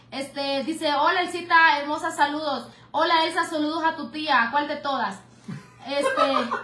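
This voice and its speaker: Speaking at a fairly slow pace, a woman uses a raised, projected voice with a high pitch, an animated tone and ordinary pitch variation. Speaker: livestream host. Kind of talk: casual chat. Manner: talkative.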